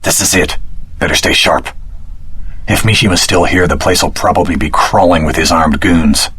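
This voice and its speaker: An actor playing an earnest, determined young hero in a video game, with a dramatic, heroic delivery. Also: male voice, sits low, steady tone, moderate pace, a bit bright, breathy edge. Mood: urgent, determined.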